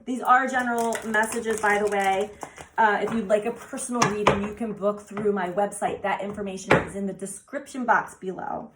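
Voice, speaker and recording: Doing an oracle card reading for her viewers, a woman whose mid-range voice is raspy from laryngitis gushes eagerly over each card, softly and meanderingly. The recording is very noisy.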